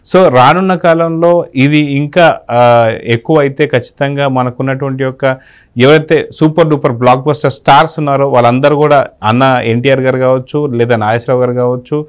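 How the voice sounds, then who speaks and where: Quick-talking male interviewer. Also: mid-range voice, fairly even intonation, clear, resonant tone. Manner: leading, recaps before asking. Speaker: interviewer, channel host. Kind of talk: interview questions.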